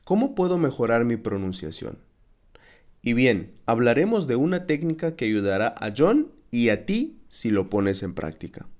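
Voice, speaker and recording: A man hosting a podcast lesson as a Spanish teacher, speaking in a clear, encouraging, teacherly way. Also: medium pitch, very animated, moderate pace, a little mellow.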